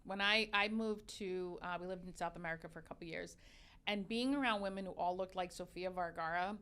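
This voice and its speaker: In a relaxed interview, a religious educator and consultant in her fifties shares frank, lively stories, frequently starting over mid-sentence. Arabic is her first language. Her voice is lowish, clear, and resonant, and she talks fairly quickly.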